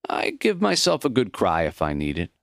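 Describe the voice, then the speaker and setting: A man voicing a gentle, reflective, dying elderly teacher in an audiobook, speaking earnestly and plainly in measured phrases. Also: lowish voice, huge pitch swings, gravelly, no room sound, studio quality, heavily acted. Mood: mournful, accepting. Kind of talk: audiobook character voice.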